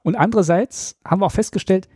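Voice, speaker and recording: Male podcast co-host: upbeat explainer, slightly high and husky voice. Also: fast, dark tone, no room sound, studio quality. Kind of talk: casual podcast chat.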